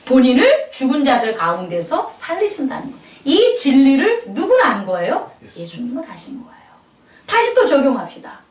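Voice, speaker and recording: A woman pastor preaching a sermon in a lively, playful way, acting out quoted voices and laughing often. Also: high-pitched, echoey room, recorded from a distance. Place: church hall.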